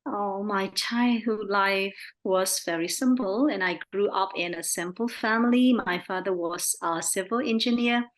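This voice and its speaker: A middle-aged Burmese nun with a Burmese accent, answering interview questions in an unhurried, gentle way. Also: female voice, mid-range voice. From Burma. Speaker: Buddhist nun, interview guest.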